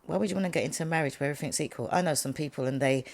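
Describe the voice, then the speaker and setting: Blunt woman with a gravelly voice. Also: sits low, rapid-fire, a little mellow. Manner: blunt, opinionated. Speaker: guest. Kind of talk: casual interview chat.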